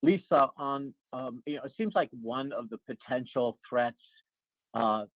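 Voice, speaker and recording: A man working as a financial analyst, asking earnings-call questions haltingly and repeating his words. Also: mid-range voice, no echo. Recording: tinny, dry phone line.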